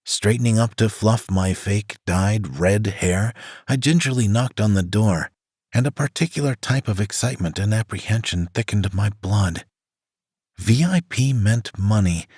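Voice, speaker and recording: A man reading a romance audiobook aloud in the first person, in an even, scripted narration. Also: fairly low pitch, breathy edge, no room sound, studio quality. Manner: reads a woman's first-person story in an even voice.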